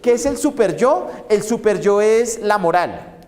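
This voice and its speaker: Lively man lecturing in a hall. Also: high-pitched, measured pace. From Colombia. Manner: lively, acts out inner voices, asks rhetorical questions. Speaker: psychology lecturer. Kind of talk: university lecture. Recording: reverberant hall recording.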